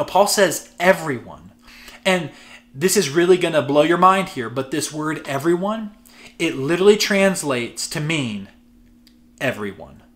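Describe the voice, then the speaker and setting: His voice is a little high with a fairly bright tone as the pastor delivers an earnest, chatty sermon to the congregation. Words get repeated for emphasis, and he plays out ordinary prayers in a relaxed, conversational way.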